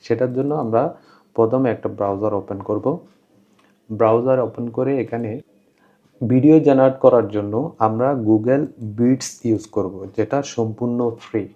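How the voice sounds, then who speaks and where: A man gives an informal screen tutorial in a medium-pitched voice. He explains each step plainly and often repeats himself, on a somewhat muffled, lo-fi recording. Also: unhurried, warm tone. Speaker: tutorial presenter. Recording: dull, lo-fi voice-over.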